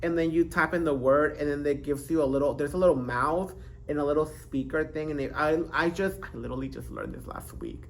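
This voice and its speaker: A man's voice: fairly high pitch, brisk, gravelly. A man hosting his own podcast alone, talking casually and rambling, interrupting himself with giggles and breaking into playful sing-song bits. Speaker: podcast host. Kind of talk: casual solo vlog monologue. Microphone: handheld microphone.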